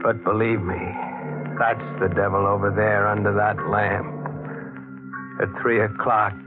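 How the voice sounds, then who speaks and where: A man's voice: on the low side, level tone, measured pace, lightly acted. An actor playing an uneasy, insistent rookie newspaperman, narrating his own story earnestly in 1940s radio drama style. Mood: tense, insistent. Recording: muffled vintage radio, music behind.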